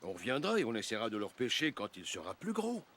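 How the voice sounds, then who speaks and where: A man's voice: mid-range voice, wildly swooping pitch, fast, fairly bright tone, a little hiss or hum. A man voicing a kindly, easygoing old grandfather in a French children's cartoon dub. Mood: genial. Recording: music under the voice.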